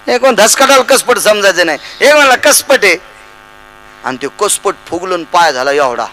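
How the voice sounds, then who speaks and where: High, bright-voiced male kirtan preacher. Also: normal speed, rough recording. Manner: animated, acts out voices in anecdotes. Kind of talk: humorous kirtan storytelling. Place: devotional gathering, live audience.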